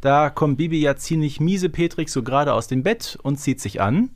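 A man's voice: a little high, animated, normal speed. A man co-hosting a podcast in casual, conversational chat. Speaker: podcast co-host.

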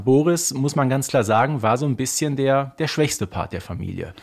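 A man's voice: mid-range voice, gravelly, darkish tone. Man in casual, opinionated podcast talk. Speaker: podcast guest, audio drama collector.

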